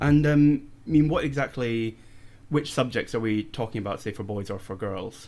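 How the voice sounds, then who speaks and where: Talking at a moderate pace, a man uses a plain, everyday voice with medium pitch and ordinary pitch variation. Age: 30s. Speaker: podcast host. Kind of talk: podcast interview.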